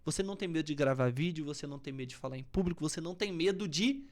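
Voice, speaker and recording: This Brazilian woman, whose voice sits low, talks very fast while explaining public speaking as a coach on a podcast. Her highly expressive delivery moves from firm, loud emphasis down to soft near-whispers to show tone of voice.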